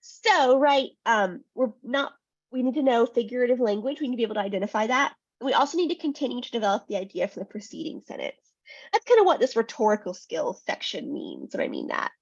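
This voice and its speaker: Brief: woman tutor, slightly high voice, a bit husky and sniffly, chatty webinar delivery. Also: sing-song, fast, no room sound. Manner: chatty, frequent "um" and "right?". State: sniffly from a cold. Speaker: test prep tutor. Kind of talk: webinar presentation. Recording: dull lo-fi webinar audio.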